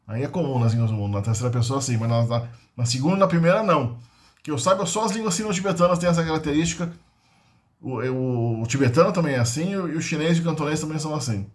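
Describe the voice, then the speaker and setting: A man giving an informal linguistics lesson, explaining patiently and sounding out foreign words. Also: on the high side. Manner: explains slowly with many fillers and restarts, sounds out foreign words. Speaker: linguistics channel host.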